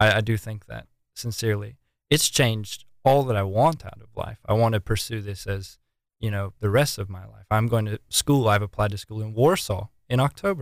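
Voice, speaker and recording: A man with a plain, everyday voice and an American accent speaks at a moderate pace and fairly low pitch, with ordinary pitch variation, big swings in loudness, and a dry, close sound with no echo. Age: 20s. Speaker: humanitarian volunteer. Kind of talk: interview. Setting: studio.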